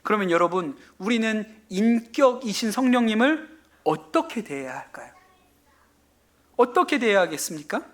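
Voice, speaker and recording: A male pastor giving a sermon in a church, telling stories and acting out quotes in an animated way. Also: high voice, normal speed. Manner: animated storytelling with acted-out quotes. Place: church sanctuary.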